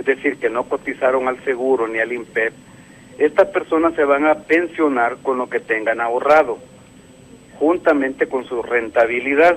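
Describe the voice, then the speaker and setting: A man with a plain, everyday voice speaks at a moderate pace, with a medium pitch and ordinary pitch variation. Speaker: caller. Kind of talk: call-in comment. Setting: phone call.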